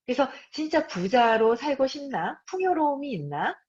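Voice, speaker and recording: Fifties woman, live-stream host; animated, acts out her thoughts, slightly husky, muffled audio. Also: sits high, normal speed. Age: 50s. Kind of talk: live-streamed book talk to an audience. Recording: dull lo-fi sound.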